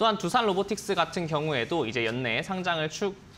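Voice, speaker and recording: A man with a bright, sharp tone and fairly high pitch speaks at a moderate pace with lively intonation. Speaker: research analyst. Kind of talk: studio discussion on stocks. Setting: studio. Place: studio. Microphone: lapel.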